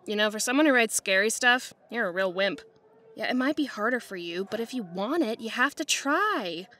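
Casting: woman playing sassy, pushy best friend, higher voice, very animated, bright, comic dub with music. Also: moderate pace. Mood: mischievous. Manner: animated, teasing. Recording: music bed under the voice.

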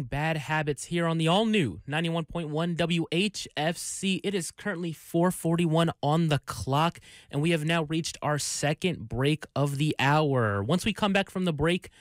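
A man's voice: fairly high pitch, dry recording. A young man hosting a music radio show as a DJ, speaking into a studio microphone. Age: young adult. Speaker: radio DJ and host. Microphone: broadcast studio microphone on a boom arm.

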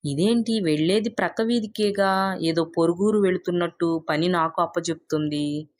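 A woman's voice: lowish voice, moderate pace, natural voice. Woman acting a meek, over-obliging village wife. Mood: worried, resentful.

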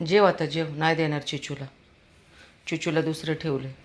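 A woman's voice: low-pitched, steady tone, normal speed. A woman filming her dog, coaxing and calling him in a singsong voice between casual remarks.

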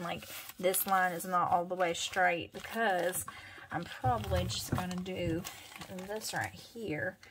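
A woman with a thick Southern US accent talks her way through a craft project in a loose, rambling vlog chat. She tends to mutter and mumble as she works, at an ordinary mid pitch. A faint hiss sits under her voice. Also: a bit bright. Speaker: crafter vlogger. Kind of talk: casual craft tutorial chat.

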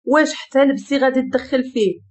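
A woman's voice: sits high, fast, voice pushed up, close to an everyday voice. A woman with a Moroccan accent voicing a defiant young wife who answers back sharply.

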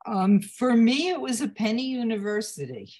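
An older woman, a photographer, reminiscing in an unhurried interview with fillers and restarts. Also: a little high, big pitch swings, darkish tone, breathy edge. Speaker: photographer and guest. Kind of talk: conversational interview over video call. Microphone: video call.

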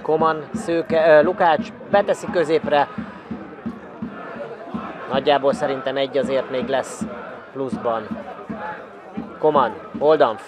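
A man giving excited sports commentary on a football match, raising his voice as chances develop. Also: mid-range voice, long pauses. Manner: excited, rising to shouts at chances. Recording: crowd noise behind, outdoor stadium. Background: crowd at an outdoor football ground.

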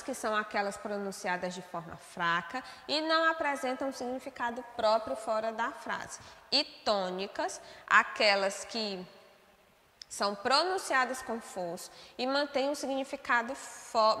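A woman with a Brazilian Portuguese accent teaches an online class, walking her pupils through the material and pausing to check they follow. Her voice is bright and a touch high. The recording carries a long reverb. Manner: explanatory, checks in with "né?" and "certo?". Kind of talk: remote class lesson over shared slides.

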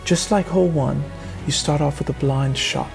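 A man giving earnest, deadpan play-by-play as a mock golf commentator in a parody sports broadcast. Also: on the high side, normal speed, gravelly, soft background music. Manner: earnest play-by-play, building to excited outbursts.

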